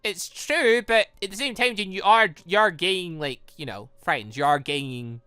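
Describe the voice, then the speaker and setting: An excitable, rambling gaming host commentating on a visual novel while reading it aloud. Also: medium pitch, moderate pace, clear, resonant tone, no echo, faint music behind.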